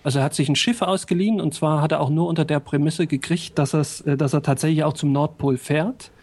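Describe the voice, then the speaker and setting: A man's voice: fairly high pitch, steady tone, fast, a little mellow, husky. A man co-hosting a podcast, explaining things matter-of-factly in casual chat. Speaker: podcast co-host.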